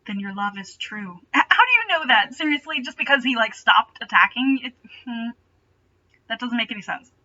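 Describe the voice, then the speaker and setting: In a high, sharp voice with lively intonation and a fairly quick pace, a woman performs a story with dramatic flair and interrupts herself with playful, sarcastic jabs. The recording comes from a dull, distant home microphone.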